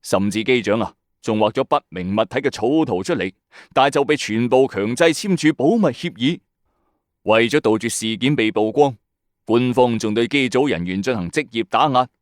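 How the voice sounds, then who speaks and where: A man's voice: mid-range voice, expressive, normal speed, dry recording, clean studio sound. A man with a Hong Kong Cantonese accent narrating a scripted mystery documentary as a late-night show host, in an emphatic, suspenseful way.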